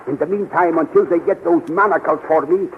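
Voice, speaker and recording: An actor playing an earnest, scheming scientist with urgent, deliberate delivery in a 1930s radio serial. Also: male voice, on the high side, natural voice. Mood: calm. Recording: tinny, hissy 1930s radio recording.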